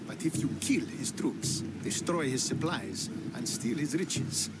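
An actor playing a stern, haughty Spartan commander in a video game, curt and authoritative. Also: male voice, mid-range voice, sing-song, a little slow, very noisy. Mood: stern, instructing. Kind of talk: video game cutscene acting.

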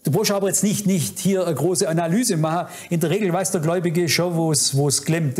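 A man delivers a conference sermon in a noticeably high voice. He is fervent and admonishing, speaking directly to his listeners to warn and exhort them. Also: darkish tone, slight background noise. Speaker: preacher. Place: conference hall.

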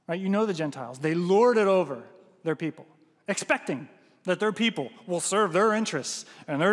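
A man in his thirties, a pastor, preaching a sermon on a headset mic, animated and often asking "right?". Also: high-pitched. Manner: animated, gestures broadly, often adds "right?". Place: church hall, indoors, large room. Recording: long hall reverb.

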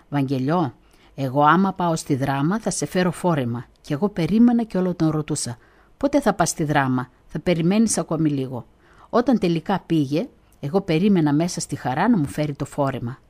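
A woman with a somewhat low voice reads a first-person remembrance as a radio host. Her delivery is gentle and measured, like careful storytelling. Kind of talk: scripted reading of a first-person testimony.

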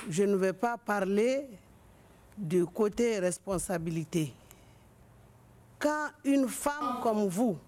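A middle-aged woman judge speaking slowly and earnestly from the bench in a large courtroom, into a desk microphone. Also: medium pitch, a little mellow. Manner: slow, measured, earnest. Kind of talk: formal address from the bench.

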